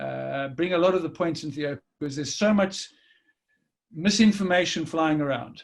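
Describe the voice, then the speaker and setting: Using a normal speaking voice, a man pitched fairly high speaks at a moderate pace, his pitch varying in an ordinary way. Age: 60s. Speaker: conservationist and safari guide. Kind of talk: online talk / presentation.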